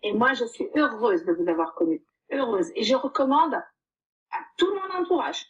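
A woman in her fifties with Portuguese roots tells her coach what the program meant to her. Her voice sits a touch above the usual for a woman, and she speaks earnestly, pausing on fillers as she searches for words. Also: a little high, sing-song, muffled recording. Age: 50s. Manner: earnest, heartfelt, with frequent hesitations. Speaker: coaching client giving a testimonial. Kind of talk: emotional personal testimony.

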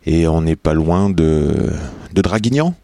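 A man's voice: low voice, expressive, a little slow, dark tone. A man hosting an interview, asking questions in a friendly, joking way. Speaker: podcast host. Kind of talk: casual interview.

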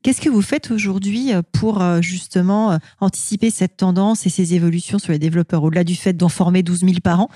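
A woman's voice: fairly low pitch, steady tone, a little fast, few pauses, mellow, no room sound, clean studio sound. A woman interviews conversationally through a face mask, sounding engaged with the person she questions. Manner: engaged, summarising and affirming answers. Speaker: interviewer, host.

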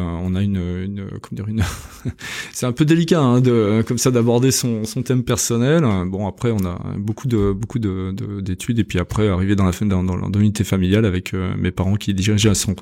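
A man's voice: lowish voice, normal speed, mellow. A man in his fifties from France, a company director talking in a casual interview, hesitant with many fillers and restarts. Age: 50s. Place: company premises.

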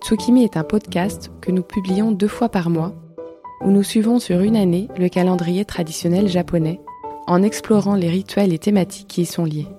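A woman hosting a podcast, reading her introduction in a calm, measured way and then interviewing her guest. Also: lowish voice. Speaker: podcast host. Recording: faint music behind.

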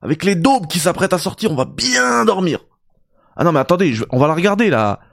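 A man's voice: high voice, lively intonation, a little fast, gravelly, a bit bright, no echo, studio quality. A young man hosting a gaming video, ranting in a mock-outraged, ironic, familiar way. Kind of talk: sarcastic gaming rant.

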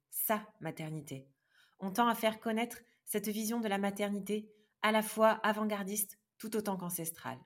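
A woman in her thirties, the podcast host, reading a scripted introduction in a measured way. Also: mid-range voice. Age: 30s. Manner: measured, read-out delivery.

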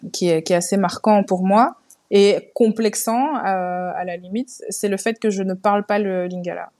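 A young woman, a guest on a relaxed podcast. She speaks thoughtfully at a middling pitch. She often stops to search for the right word. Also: moderate pace. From Belgium. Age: young adult. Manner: reflective, searching for words. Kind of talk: casual podcast conversation.

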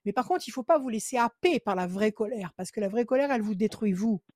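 A woman's voice: a little high, fast talker, a little mellow, no room sound. Insistent woman psychic, dry close voice. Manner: insistent, repetitive advice, counts cards under her breath. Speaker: psychic on a call-in show. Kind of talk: phone consultation with card reading.

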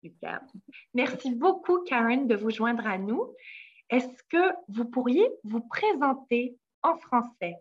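A woman's voice: on the high side, lively intonation, slow pace, breathy edge, lo-fi sound. A woman hosting an interview, welcoming and encouraging her guest. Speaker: host, company head.

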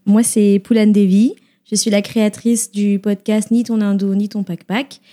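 Woman guest, medium pitch, dark soft tone, plain talk. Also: flat delivery, normal speed. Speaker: podcast guest.

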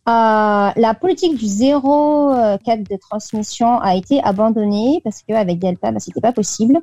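A woman's voice: on the high side, normal speed, warm tone, no room sound. A French woman in her thirties chatting as an interview guest, with lots of fillers and restarts. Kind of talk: casual radio interview over a call.

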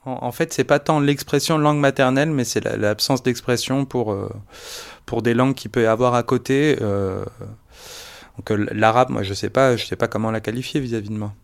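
A man with a gravelly voice and a mid-range pitch gropes for his words. He talks hesitantly, restarting phrases as he goes. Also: a little fast. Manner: searching, hesitant, many restarts. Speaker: interviewee. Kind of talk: personal testimony.

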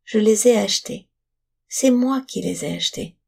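A woman's voice: mid-range voice, moderate pace, vocal fry, mellow, husky. A woman voicing an earnest, stubborn poor boy who pleads and insists, in a storybook reading. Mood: insistent.

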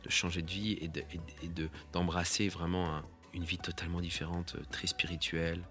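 A man, a photographer, giving a reflective and halting spoken account of one of his photographs, restarting his sentences often. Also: low-pitched, flat delivery, pushed and bright, soft background music. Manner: halting, with many restarts and pauses.

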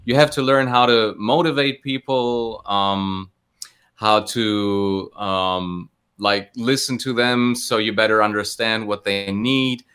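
A man speaks as an interview guest in a smooth, bright voice. He phrases his answers casually and thoughtfully, often hesitating as he goes. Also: lowish voice, steady tone, takes it slowly. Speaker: interview guest, guitar teacher.

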